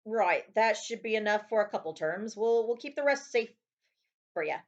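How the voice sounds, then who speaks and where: A woman voicing a big, gruff but kindly man with folksy, clipped rustic phrasing in a storybook. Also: mid-range voice, expressive, normal speed, dull audio, lightly acted. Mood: helpful.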